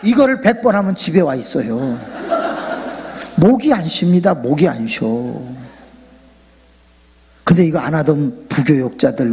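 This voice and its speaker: A man preaching a lively revival sermon in a large church sanctuary, joking and leading the congregation in loud shouted prayers. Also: medium pitch, creaky, breathy edge. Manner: jokey, animated, leads the crowd in loud shouted prayer. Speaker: pastor. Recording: long reverb of a big church hall.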